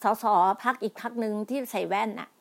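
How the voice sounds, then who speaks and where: A middle-aged woman speaking in a heated political monologue, scolding and pleading by turns, with many restarts and repetitions. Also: brisk. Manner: emphatic, scolding, repeats herself with many restarts; polite particles, pleading then indignant.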